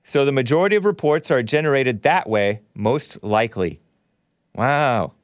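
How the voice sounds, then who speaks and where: A man's voice: mid-range voice, lively intonation, normal speed, dry recording, studio quality. A man in his thirties hosting a call-in talk show, chatting casually and bluntly with slangy phrasing. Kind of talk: casual call-in commentary and caller chat.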